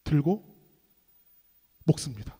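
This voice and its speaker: A man's voice: slow pace, dark tone. A man on ministry staff giving a sermon-like special lecture. He tells a story and speaks directly to the audience. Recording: long reverb in a hall.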